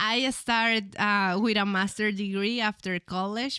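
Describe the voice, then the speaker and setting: A woman with a Spanish accent speaks in a bright, sharp tone and fairly even intonation. The recording is very clean with a silent background and a dry, close sound with no echo. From Venezuela. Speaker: travel video creator. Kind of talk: casual chat. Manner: halting.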